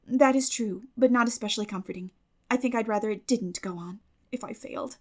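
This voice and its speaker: A woman's voice: a little high, brisk. A woman voicing an earnest, dramatic, talkative teenage storybook heroine in a gushing, emphatic way. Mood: anxious, dramatic.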